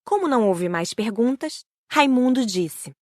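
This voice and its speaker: A woman's voice: fairly high pitch, lively intonation, unhurried, darkish tone, no room sound. Brazilian woman narrating, dry close sound. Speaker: audiobook narrator. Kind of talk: scripted first-person story narration.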